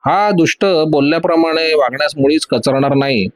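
A man reading a thriller audiobook in a steady, dramatic narration. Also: on the high side, moderate pace.

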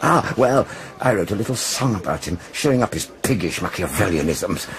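Low-voiced wry gossip. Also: male voice, animated, brisk. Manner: wry, knowing, wordy. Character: worldly, gossiping, thirsty drinker and songwriter. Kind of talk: conversational period radio drama. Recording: crowd murmur behind.

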